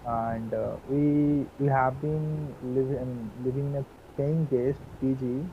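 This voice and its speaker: A man's voice: mid-range voice, fairly even intonation, phone-quality sound, a little hiss or hum. Hesitant Bengali-accented young man. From West Bengal, India. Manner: hesitant, polite, many "uh" pauses, says "sir". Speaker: English learner. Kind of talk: conversation practice on a video call. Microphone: video call.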